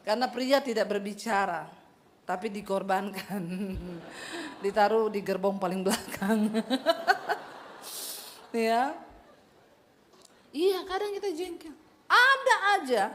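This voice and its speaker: A middle-aged woman pastor preaching a lively sermon, teasing her congregation and acting out quoted voices. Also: on the high side, a little hiss or hum. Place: church hall with congregation.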